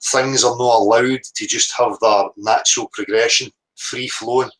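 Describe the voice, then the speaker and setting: A Northern Irish man hosts a live stream in a loose, rambling manner, drifting between thoughts and swearing now and then. His speaking voice sits at an everyday middle pitch. He sounds unhurried and reflective. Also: steady tone, fairly bright tone, low-quality recording. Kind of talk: casual live-stream monologue.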